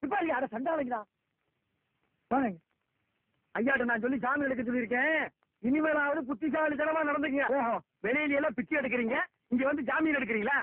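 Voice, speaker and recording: A man in a film comedy scene, scolding and mocking others with quick insults. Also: very high-pitched, no echo. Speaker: comic film actor. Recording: tinny lo-fi film audio.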